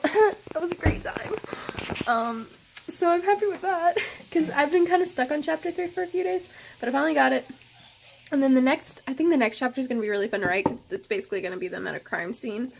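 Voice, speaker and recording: A woman's voice: sits high, vocal fry, background noise. A young woman vlogging in casual chat, gushing and swearing freely, with lots of fillers.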